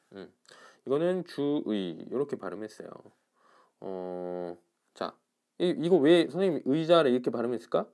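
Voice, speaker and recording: Male teacher for an online lesson, patient step-by-step explainer, animated pitch. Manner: explains step by step, asks "알겠죠?" and "그쵸?" after each point. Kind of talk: online class lecture. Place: indoors, recording alone for an online class.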